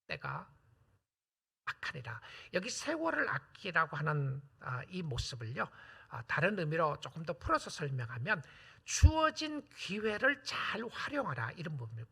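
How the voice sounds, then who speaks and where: A man pastor preaching a sermon, swinging from hushed whispered asides to loud, emphatic appeals and dropping in English phrases. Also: a little high, creaky, husky.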